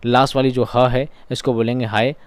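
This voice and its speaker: A male teacher with a smooth, clear voice, recorded close and dry. He keeps firing questions at his listeners and answering them himself, going over each term again and again. His carries a flavour. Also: medium pitch, flat delivery, normal speed, dry recording. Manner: asks questions and answers them himself, repeats key terms. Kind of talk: classroom-style grammar lesson.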